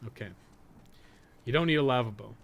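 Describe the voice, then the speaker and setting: A man's voice: medium pitch, brisk, gravelly, a bit bright. A man giving casual gameplay commentary, thinking aloud in a musing way, asking himself questions and trailing off into asides. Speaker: podcast co-host and game guide writer.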